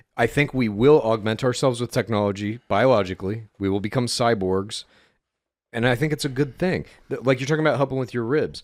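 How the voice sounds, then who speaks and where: On a very clean recording with a silent background, a man with an American accent uses an ordinary speaking voice, medium pitch, ordinary pitch variation and a fairly quick pace. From Texas, Dallas suburbs. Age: 40s. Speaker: writer and podcast co-host. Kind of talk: casual chat.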